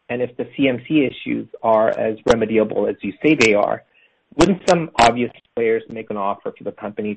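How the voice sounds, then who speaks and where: A male financial analyst asks probing questions politely and a little haltingly on a conference call. His voice sits at a medium pitch, with clear noise and clicks on the line. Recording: noisy phone-in call with clicks.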